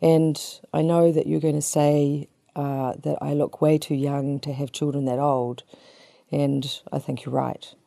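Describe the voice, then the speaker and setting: A woman's voice: low-pitched, little pitch movement, unhurried, gravelly, warm tone, dry recording. A woman in her fifties with a New Zealand accent, a psychotherapist introducing herself in a small studio with chatty, self-deprecating humor. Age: 50s. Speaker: psychotherapist guest. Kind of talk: relaxed personal introduction.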